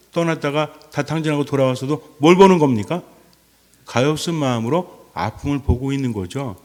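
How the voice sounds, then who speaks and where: A man's voice: mid-range voice, a little mellow. A man preaching as a Catholic priest, often asking the congregation questions and answering them himself. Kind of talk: sermon. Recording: long hall reverb.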